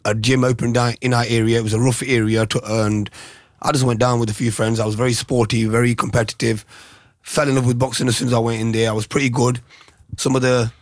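A middle-aged former boxer answers questions in a soft, halting way, full of ums and restarts. His pitch sits in the middle and the sound is dry and close. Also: flat delivery, no room sound. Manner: soft-spoken, hesitant, many ums and restarts. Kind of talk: interview, recalling his past.

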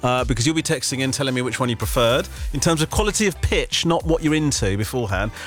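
A man runs a call-in segment on the radio with a middle-pitched voice, talking freely and poking fun at himself. Faint music sits under his voice. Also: lively intonation, fast, fairly bright tone. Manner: chatty and self-deprecating, joking asides. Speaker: radio host. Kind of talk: lively radio chat.

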